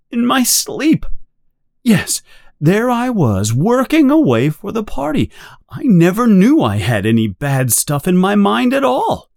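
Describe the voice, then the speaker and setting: A man doing a high, panicky prisoner. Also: darkish tone, no echo, studio quality, heavily acted. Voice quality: high, pleading, fast when panicked. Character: frightened middle-aged male prisoner, desperate and babbling.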